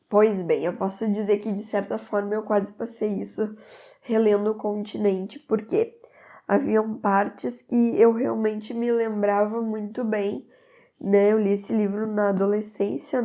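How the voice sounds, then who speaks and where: A book reviewer from southern Brazil, a little stuffy from a cold, talks to camera in a casual recommendation. Her medium-pitched, warm voice rambles enthusiastically about the book.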